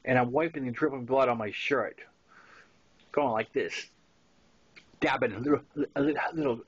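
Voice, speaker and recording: Male narrator, 60s, Boston accent, conversational memoir read, average pitch, muffled lo-fi recording. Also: fairly bright tone, husky. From Massachusetts, US. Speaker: author reading his own novel. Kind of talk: narrated memoir reading with casual asides.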